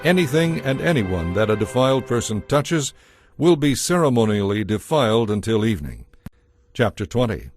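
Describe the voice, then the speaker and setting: A man with a mid-pitched voice reads scripture as a dramatic narrator, solemn and deliberate. The recording is dry, with faint music underneath. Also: no echo. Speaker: Bible narrator.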